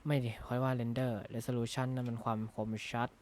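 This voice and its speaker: A man's voice: mid-range voice, little pitch movement, normal speed, darkish tone, slight background noise. Rambling man playing a video game. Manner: rambling, jokey, thinks aloud with frequent "na ha" tags. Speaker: gaming YouTuber. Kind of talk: casual Minecraft let's-play commentary. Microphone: close desk mic.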